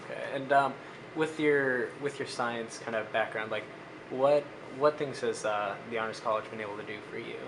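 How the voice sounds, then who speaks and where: A man's voice: medium pitch, normal speed, noisy background. A young man interviewing a student, asking questions in a hesitant way with many fillers.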